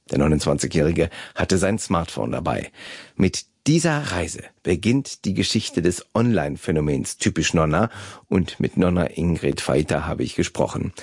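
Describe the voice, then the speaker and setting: A man hosting a radio program, who speaks calmly and articulately in scripted introductions and interview questions. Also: sits low, slightly rough, no echo, clean studio sound. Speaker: radio host. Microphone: studio microphone.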